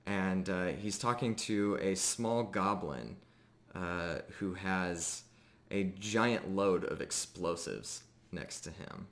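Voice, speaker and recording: A man narrating a tabletop fantasy game as game master, improvising descriptions in a measured way with pauses. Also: sits low, fairly bright tone.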